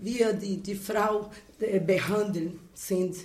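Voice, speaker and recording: Amid audible room echo and noticeable background noise, a woman with a Portuguese accent speaks very slowly at a medium pitch. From Brazil. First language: Portuguese (speaking German). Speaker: artist. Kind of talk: radio panel discussion. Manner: halting, many hesitations.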